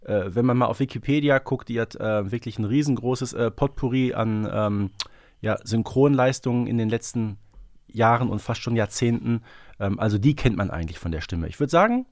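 A man's voice: mid-range voice, normal speed, a little mellow, no echo, studio quality. A man hosting a podcast in a conversational fan-discussion style. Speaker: podcast host.

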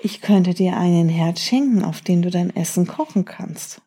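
A woman's voice: on the low side, moderate pace, mellow, husky. A woman reading a determined young prince. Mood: earnest. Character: young half-boy prince, determined, longing.

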